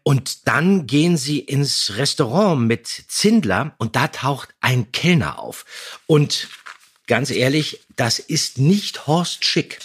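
Husky-voiced male podcast co-host. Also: medium pitch, big pitch swings, slow. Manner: opinionated, emphatic. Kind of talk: casual review chat.

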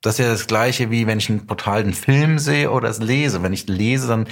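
A man's voice: on the low side, a little fast, gravelly. A middle-aged man, talking casually as an interview guest, explaining and telling anecdotes. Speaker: podcast guest, audio drama writer and director.

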